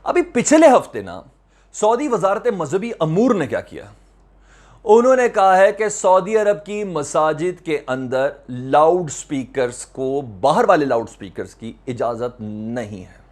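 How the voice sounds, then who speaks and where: A news commentary channel host with a Pakistani accent discusses current affairs for viewers in an unhurried, fairly high voice with big pitch swings. He is emphatic, repeats phrases, poses rhetorical questions, and mixes English words into his speech.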